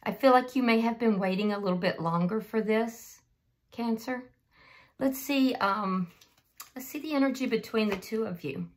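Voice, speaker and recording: A slightly hoarse woman giving a casual, unscripted tarot reading and speaking directly to the listener as the channel's host. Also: a little high, normal speed.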